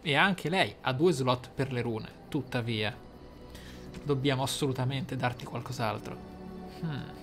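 A man commentating his game playthrough, thinking aloud in a deliberate, theatrical way with dramatic pauses. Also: mid-range voice. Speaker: gaming YouTuber, player. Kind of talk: game playthrough commentary with role-play musing. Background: game music.

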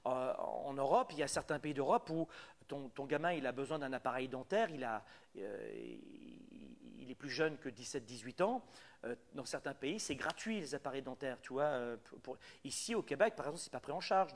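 Man, French accent, middle-aged, business coach, emphatic and repetitive, slightly high voice. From France. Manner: emphatic, repeats key points. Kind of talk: live coaching talk. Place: Quebec.

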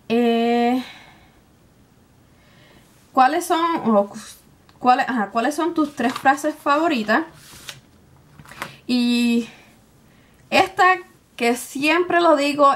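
A woman's voice: a little high, a bit bright. A young woman with a Puerto Rican Spanish accent chats casually to camera, informal and colloquial, dropping in English words. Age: young adult. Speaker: beauty vlogger. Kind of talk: casual chat to camera, answering tag questions. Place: small room at home, indoors.

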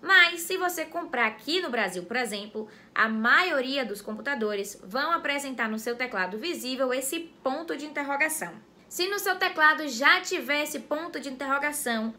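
A Brazilian woman with a high, bright voice teaches a grammar lesson. She explains clearly and step by step, addressing her viewers directly as she goes. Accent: Brazilian Portuguese. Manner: clear and didactic, speaks straight to viewers. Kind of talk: educational explainer video.

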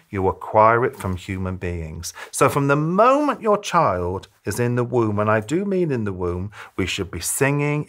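A man in his fifties giving advice to camera as a children's author, speaking emphatically like a storyteller, with deliberate pauses. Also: lowish voice, fairly bright tone. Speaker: children's author giving reading tips to parents. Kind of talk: direct-to-camera advice talk, presentational. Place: small furnished room, indoors.

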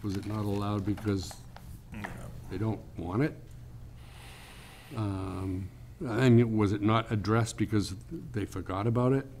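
A man talks through his reasoning at a board meeting, stopping and repeating words. His voice is dark and somewhat low, with a little background noise in the room. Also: steady tone, a little slow, long pauses. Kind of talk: informal explanation at a public meeting. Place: small public meeting room. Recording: faint room noise behind voice.

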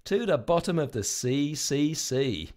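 A man's voice: fairly high pitch, very animated, measured pace, darkish tone. A man voicing Fred, a young man hurtling through a hearty, blustering sea yarn. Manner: hearty, blustering nautical storytelling.

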